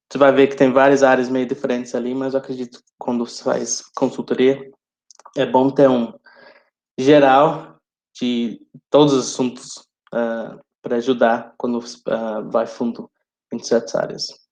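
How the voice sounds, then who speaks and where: Speaking at a fairly slow pace with long, frequent pauses, a man with an English accent keeps a monotone, flat intonation at medium pitch, though his loudness swings widely. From England. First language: English (speaking Portuguese). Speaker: business consultant and local politician. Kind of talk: presentation. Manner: halting, many fillers.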